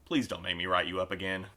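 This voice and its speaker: A man's voice: low-pitched, pushed and bright. A man playing a stern, long-suffering post office boss in an audio drama, speaking curtly.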